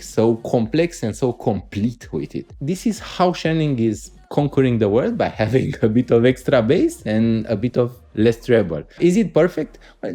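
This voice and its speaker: A man's voice: medium pitch, warm tone. A man with a Romanian accent giving a casual spoken gear review as a reviewer, explaining things emphatically and enthusiastically.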